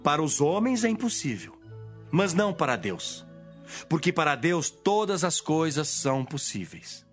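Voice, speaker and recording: A man's voice: fairly high pitch, big pitch swings, measured pace. Casting: male actor as a solemn, firm holy teacher for a Bible audio drama, widely varied intonation, music behind. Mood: earnest, solemn.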